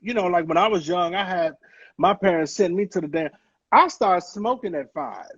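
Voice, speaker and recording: High-pitched Southern Black man, dull audio. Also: normal speed, breathy edge. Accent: Southern Black American. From rural Mississippi, United States. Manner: profane, animated reactions, folksy slang. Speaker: podcast host. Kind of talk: casual comedic interview chat.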